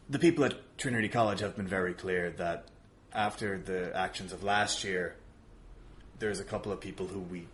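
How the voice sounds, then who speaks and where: This deep, slightly bright male voice belongs to a wrestling show promoter guesting on a podcast. Caught in a made-up comedic argument, he hesitantly apologizes and tries to smooth things over, with a little hiss or hum in the audio.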